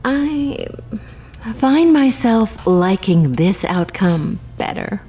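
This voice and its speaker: A woman's voice: mid-range voice, very animated, drawn-out words, dark tone. A woman playing a haughty, silky supernatural envoy in an audio drama, with a theatrical, arch, drawling manner. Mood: pleased. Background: music.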